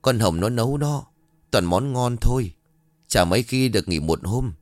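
A man's voice: medium pitch, expressive, moderate pace, no echo, clean studio sound, close to an everyday voice. A man reading a doting, unhinged grieving mother. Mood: eerily cheerful. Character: grieving middle-aged woman, eerily cheerful, unhinged.

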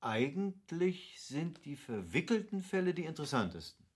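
An actor playing an opinionated, cultivated gentleman in a classic radio play, speaking with emphatic, rhetorical phrasing. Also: on the high side, big pitch swings, normal speed, slightly rough. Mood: engaged. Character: opinionated, lecturing cultivated gentleman of Goethe's era.

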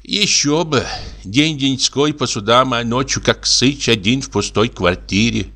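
A man's voice: mid-range voice, unhurried, bright, forceful tone. A man reading aloud and voicing an elderly mother who frets, sighs and calls on God. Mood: fretful. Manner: sighing, fussing, prayerful exclamations. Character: fretful elderly mother, pious and doting.

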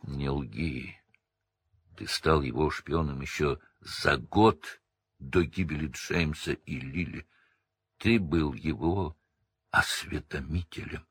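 A man voicing a bitter, furious adult wizard with a low, seething growl. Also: takes it slowly, husky, dry recording, heavily acted.

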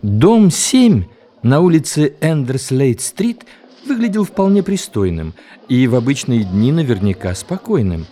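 A man's voice: medium pitch, big pitch swings, measured pace, warm tone, a little hiss or hum. A man narrating a scripted story in an audio drama.

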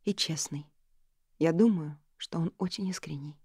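A woman voicing a reserved young woman in her twenties in an audiobook, quiet, calm and a little weary. Her tone is low and mellow, recorded dry and close. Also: a little fast, dry recording, lightly acted.

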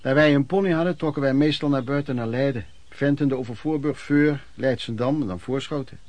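Actor as an old Dutch street vendor reminiscing, folksy. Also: male voice, mid-range voice, fairly quick, a little mellow, no echo, close to an everyday voice. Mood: nostalgic. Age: older. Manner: folksy, wordy storyteller with quaint old-fashioned phrasing. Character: plain-spoken former male street vendor and vagrant reminiscing. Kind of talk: radio play monologue in interview form.

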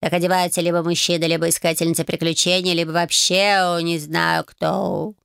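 A woman voicing a wise, grumpy magic tomcat who lectures slowly, drawing out his words and purring and meowing between them. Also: lowish voice, level tone, vocal fry, a bit bright, smooth, dry recording, clean studio sound. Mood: scornful. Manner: slow, drawn-out, lecturing, purrs and meows. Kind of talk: audiobook character voice.

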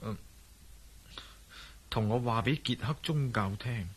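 An actor playing a calm, self-assured adventurer in a radio drama, speaking firm in a matter-of-fact way. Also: male voice, mid-range voice, takes it slowly, husky. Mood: steady. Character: bold adventurer man, calm and sure of himself.

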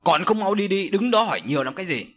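A man's voice: on the high side, big pitch swings, fairly bright tone, heavily acted. A man doing a stern old village sorcerer. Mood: scolding. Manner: slow, solemn, scolding. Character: older male village sorcerer, stern and grave.

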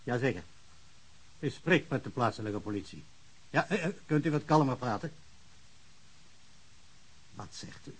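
A man's voice: medium pitch, expressive, measured pace, long pauses, husky, low-quality recording. An actor playing an emotional, stammering small-town policeman in a radio drama. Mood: urgent. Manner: stammering, repetitive, rambling.

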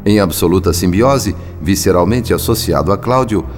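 A man's voice: low voice, animated, normal speed, faint music behind. A man with a Brazilian accent playing a grave, watchful spirit who narrates a radio drama in literary, solemn style.

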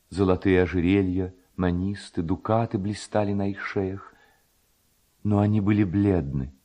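A man narrating a literary tale in an expressive, poetic, dramatic storytelling style. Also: on the low side.

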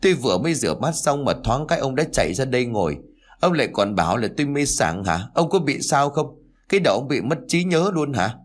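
A man's voice: mid-range voice, expressive, close to an everyday voice. A man voicing a nagging old village wife. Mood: angry scolding. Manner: nagging, rapid-fire complaining. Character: scolding elderly village wife, exasperated and sharp-tongued.

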